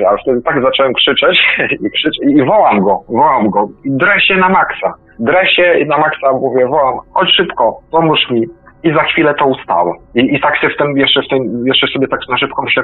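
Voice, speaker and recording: A man calling in to a radio show by phone, telling a personal experience in a halting, stammering way that keeps repeating words. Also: mid-range voice, husky, no room sound. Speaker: caller. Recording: tinny phone line.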